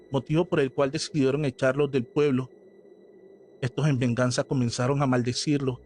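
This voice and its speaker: A man reading a scripted horror story aloud as narrator, in a slow, measured storytelling manner. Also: mid-range voice, darkish tone. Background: faint background music.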